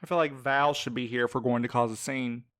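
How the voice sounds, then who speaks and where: A man's voice: mid-range voice, fairly even intonation, fairly quick, noisy background, lightly acted. A man playing a snarky, wisecracking young sidekick in an audio drama, casual and sarcastic. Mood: teasing. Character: Milo, snarky, wisecracking, caffeine-bribed young male sidekick.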